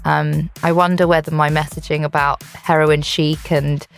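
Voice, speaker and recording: A woman's voice: deep voice, little pitch movement, normal speed, gravelly, faint music behind. A young woman singer from England talking candidly and chattily in a radio studio interview, laughing easily. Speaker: singer guest.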